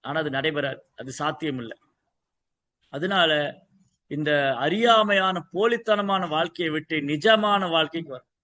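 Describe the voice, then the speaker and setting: A man's voice: a little high, a little slow, long pauses, bright, forceful tone. A man speaking, giving a devotional scripture talk full of rhetorical questions and repeated lists. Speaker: Gita teacher. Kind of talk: devotional discourse.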